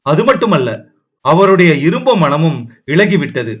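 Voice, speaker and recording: A man narrating a historical novel as an audio book, in a steady, dramatic storytelling way. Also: fairly high pitch, measured pace, highs cut off.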